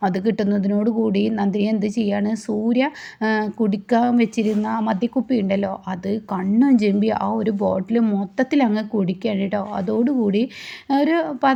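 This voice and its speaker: A woman's voice: mid-range voice, fairly quick, gravelly. A woman retelling a story in a chatty, casual way, tagging her lines with a friendly "you know". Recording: dull lo-fi recording.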